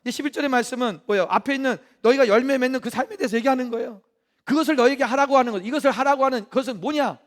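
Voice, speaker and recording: A male pastor preaching a lively sermon in a church, often questioning the congregation. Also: extremely high pitch, very fast. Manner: lively, asks the congregation questions and acts out quotes.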